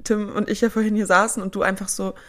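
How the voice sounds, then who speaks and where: A woman in her early twenties co-hosting a casual chat podcast, relaxed and chatty, often trailing off and restarting. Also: mid-range voice, fast. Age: 20s. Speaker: podcast co-host.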